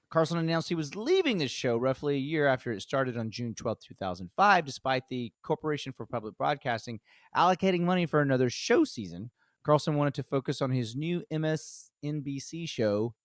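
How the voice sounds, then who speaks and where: A man's voice: medium pitch, dry recording, clean studio sound. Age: adult. Sex: man. Style: joking podcast host. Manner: profane, joking, laughing often. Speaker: podcast host leading the episode. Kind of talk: casual comedic podcast chat, reading from notes.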